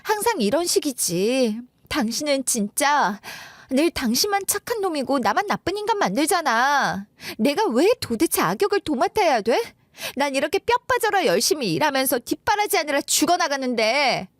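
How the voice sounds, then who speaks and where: A woman playing a shrill, furious wife scolding her husband. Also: very animated, bright, forceful tone, no echo, clean studio sound, exaggerated voice. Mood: angry scolding. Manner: shrill, scolding, rapid-fire complaints. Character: angry exhausted working mother, a wife. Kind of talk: storytelling radio drama.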